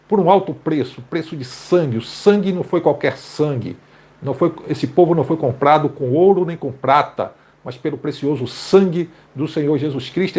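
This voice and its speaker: A pastor commenting on a video clip in a sermon-like way, emphatic and repeating phrases for stress. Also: male voice, fairly high pitch, a little mellow.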